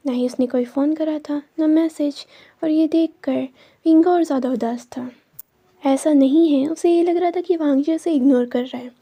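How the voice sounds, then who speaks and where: A woman narrating her own fanfiction as a story, in a calm, steady telling. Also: high voice.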